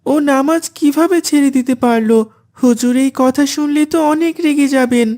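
A woman's voice: sits high, normal speed, a little mellow, natural voice. A woman voicing a dutiful, devout young boy in a cartoon, polite and earnest.

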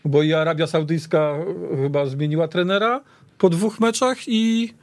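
A man's voice: fairly high pitch, steady tone, normal speed, no room sound. A man speaking as a football pundit in a casual podcast discussion. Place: radio studio.

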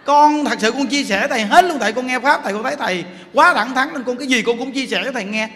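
A man's voice: very high-pitched, fast, a bit bright. A man voicing a lonely middle-aged woman who pleads plaintively with her teacher. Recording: echoey hall, faint noise.

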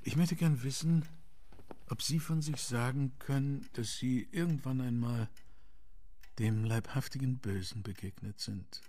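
A man playing a courteous but troubled Victorian gentleman in a radio play, speaking formally and deliberately. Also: medium pitch, close to an everyday voice. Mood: troubled, grave. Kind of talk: German radio play acting.

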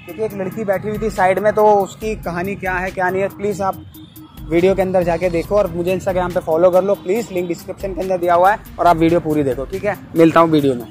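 A man's voice: high voice, steady tone, quick pace, a little mellow, faint music behind. A young man hosting a prank video in a park, chatting casually and coaxing with constant "yaar". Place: outdoor park.

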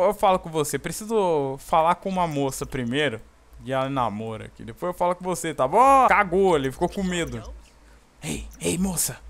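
A man's voice: high voice, a bit bright. A young Brazilian man with a Brazilian Portuguese accent, giving casual, jokey gameplay commentary and talking to the game characters. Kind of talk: casual let's play commentary.

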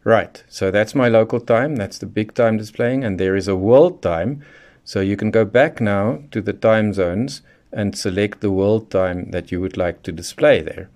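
Male tutorial presenter, lowish pitch, methodical step-by-step instructional delivery. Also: unhurried, darkish tone. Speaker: presenter of a radio how-to guide. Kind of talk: hands-on product tutorial, explaining step by step.

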